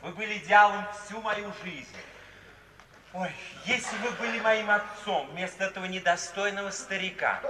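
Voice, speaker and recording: A man's voice: high-pitched, moderate pace, a crowd in the background, natural voice. A man playing a cheeky young idler. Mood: teasing. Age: young adult. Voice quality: playful, mocking. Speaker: pastor's son. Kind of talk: 1950s radio play acting. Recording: echoey distant old radio play recording.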